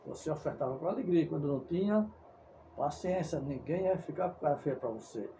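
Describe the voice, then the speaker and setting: A man's voice: fairly high pitch, expressive, brisk, background noise. A Brazilian man preaching a fervent monologue, insistent and repetitive, sometimes stumbling over his words. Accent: Brazilian Portuguese. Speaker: evangelical preacher.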